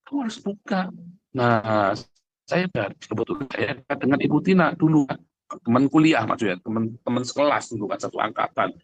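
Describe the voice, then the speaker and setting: During a conversational livestream sermon, a pastor speaks bluntly and emphatically, addressing listeners directly and posing rhetorical questions. His medium-pitched voice is animated at normal speed, and the low-quality recording has no echo.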